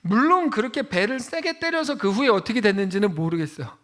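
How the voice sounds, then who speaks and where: Male pastor, conversational sermon delivery, high and very expressive pitch. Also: a little fast. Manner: conversational preaching, acts out quoted voices. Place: church sanctuary.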